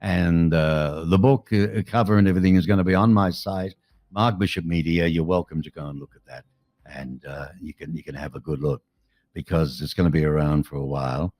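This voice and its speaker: Deep-voiced Australian man hosting a chat show. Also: brisk, a little mellow, dry recording, clean studio sound. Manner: chatty, matey, colloquial. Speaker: show host. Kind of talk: casual interview hosting.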